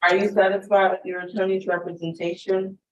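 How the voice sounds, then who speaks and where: A woman judge running a courtroom plea hearing, asking formal questions in a brisk, measured way. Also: medium pitch, flat delivery, reverberant, highs cut off. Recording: distant mic with faint noise.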